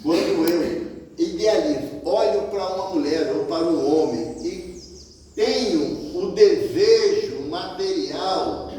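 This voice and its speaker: A man with a Brazilian Portuguese accent gives a spiritist lecture, putting rhetorical questions to his audience. His voice is high and dark in tone, he speaks slowly, and there's a slight hiss or hum. He's in the lecture hall of a spiritist center, recorded from a distance in an echoey room with faint ambience.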